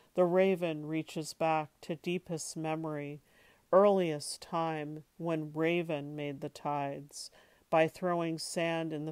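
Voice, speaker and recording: Very slow, dramatic delivery from a woman with a very deep, low pitch and monotone, flat intonation, on a very clean recording with a silent background. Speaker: poet. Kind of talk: poem reading. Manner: measured, hushed, incantatory delivery with dramatic pauses; lyrical, deliberate, image-by-image cadence.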